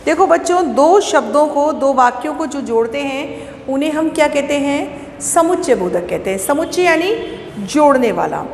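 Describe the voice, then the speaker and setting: A woman's voice: high voice, lively intonation, normal speed, a little hiss or hum. A woman teaching a school lesson to children, explaining patiently and asking questions that she then answers herself. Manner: explains patiently, repeats words and asks then answers her own questions. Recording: echoey room with long reverb, faint ambience.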